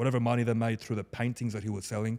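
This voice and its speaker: Speaking at a very fast pace, a man with an Australian accent keeps a medium pitch and a monotone, flat intonation. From Australia (Sydney), raised partly in Greece. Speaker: entrepreneur and coach. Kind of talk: casual podcast interview.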